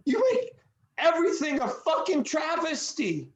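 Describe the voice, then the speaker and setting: A woman's voice: high-pitched, very animated, unhurried, full character voice. A woman playing a laid-back, easily exasperated male slacker in an online read of a film script. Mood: exasperated, angry. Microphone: video call.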